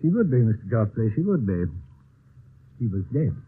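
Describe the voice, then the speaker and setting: An actor playing a calm, measured police inspector, questioning dryly. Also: male voice, fairly low pitch, breathy edge. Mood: stern. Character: calm police inspector, middle-aged man. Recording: tinny old film soundtrack.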